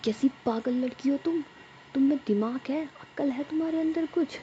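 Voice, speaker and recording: A woman voicing a short-tempered, exasperated young woman who scolds in a raised, loud voice. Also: sits high, moderate pace, dull audio, a little hiss or hum, pitched above the performer's own voice, lightly acted.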